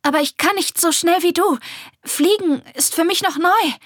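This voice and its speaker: A woman voicing an excited young girl in a storybook reading, pitching her voice up, breathy and close. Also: takes it slowly, no echo. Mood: eager. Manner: high, excited, stammering. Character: excited young girl who can suddenly fly.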